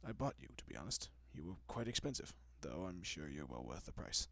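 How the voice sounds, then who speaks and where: A man playing a gentle, courteous, possessive vampire in an intimate audio roleplay, speaking softly and often dropping to a whisper with hushed reassurance. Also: a bass voice, very animated, fairly quick, vocal fry, no room sound, heavily acted. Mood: calm, apologetic. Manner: hushed, reassuring, politely old-fashioned.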